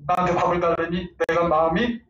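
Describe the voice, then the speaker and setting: A middle-aged man teaches parents in a lively, talkative way, laughing often and acting out scenes between family members. His voice sits high for a man and comes from far off in an echoing room. The recording sounds dull and lo-fi, with faint background noise. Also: a little fast. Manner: animated, laughing, acts out angry outbursts. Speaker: parenting lecturer. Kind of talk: lively lecture with role-play examples.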